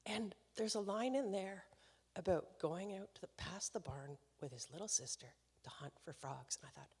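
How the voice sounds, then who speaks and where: A low-voiced woman emcees a live concert, speaking to the audience in a chatty, easygoing way with frequent laughter. Her voice rings out with a long reverb tail from the concert hall around her. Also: moderate pace, husky. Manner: chatty and warm-hearted, laughing between remarks. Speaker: concert series host. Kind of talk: live stage introduction to an audience.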